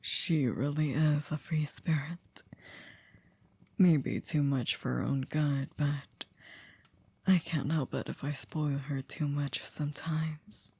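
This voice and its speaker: Stern, low-voiced chief maid, acted by a woman. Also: fairly even intonation, a little mellow, husky, no room sound, heavily acted. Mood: fond, resigned. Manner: formal, measured, drily reproachful. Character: stern, dry, exacting chief maid of an estate. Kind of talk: ASMR roleplay acting.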